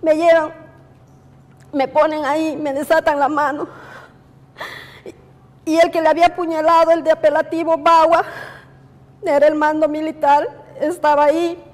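A woman from Peru, giving halting, grief-laden testimony at a public hearing. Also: high-pitched, little pitch movement. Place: large public hearing hall. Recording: long echoey hall reverb.

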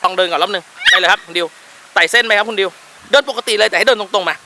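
A man's voice: high voice, very fast, noisy background. A man working as a dog trainer, coaching an owner outdoors with firm, short commands and explanations. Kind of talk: on-location dog training instruction.

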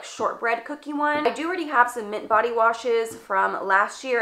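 Pushed and bright, her higher-pitched voice sounds slightly congested as this twentysomething beauty vlogger chats through her haul, using "like" again and again. The camera is close, set in a small indoor room with shelves.

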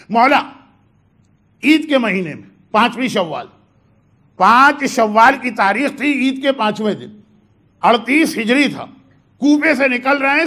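Male cleric, South Asian Urdu accent, very high voice, earnest sermon delivery rising to forceful emphasis. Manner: earnest, builds to emphatic shouts on key points. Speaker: Shia cleric delivering a majlis. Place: mosque hall.

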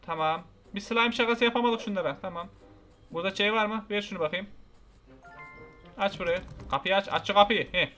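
A young man giving excitable, frustrated gameplay commentary, shouting at the characters on screen. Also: high voice, a little fast, faint music behind. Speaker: gaming YouTuber.

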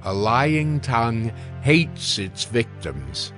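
A man reads scripture as a dramatized audio narration. His voice sits at an average pitch and moves slowly, with emphatic phrasing and deliberate pauses. Music plays softly behind him. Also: very animated. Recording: music bed under the voice.

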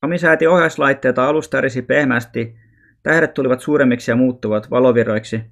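A man reading a children's novel aloud as an audiobook, in a calm, even storytelling manner. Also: mid-range voice. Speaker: audiobook reader.

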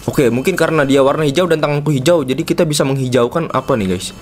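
A fairly high-pitched man from Indonesia talks fast over slight background noise. He's a playful, chatty gaming streamer giving casual live commentary and constantly calling out to his viewers.

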